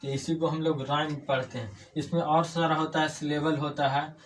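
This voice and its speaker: A man's voice: a little high, level tone, moderate pace. A man teaching an English grammar class, explaining step by step and repeating key words back as questions. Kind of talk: classroom lecture. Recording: distant mic, faint room noise.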